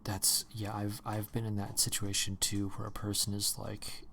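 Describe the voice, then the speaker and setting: Casual male stream host, low gravelly voice, rambling delivery. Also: monotone, normal speed, a bit bright, slight background noise. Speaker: livestream host. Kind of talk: casual chat.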